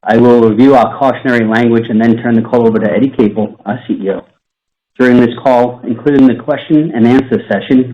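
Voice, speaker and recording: A man leading investor relations, reading cautionary statements in a steady, formal, scripted manner. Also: mid-range voice. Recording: muffled conference-call audio.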